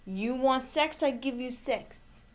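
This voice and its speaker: A woman's voice: high voice, takes it slowly. A woman playing an earthy, eager, plain-spoken red-blooded man in a comic monologue. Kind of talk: comedic character monologue.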